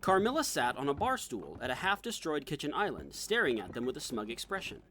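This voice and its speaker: A man narrates a scripted comic story with very lively intonation. His voice is bright and fairly high for a man, carrying the action forcefully. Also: fairly quick, a little hiss or hum.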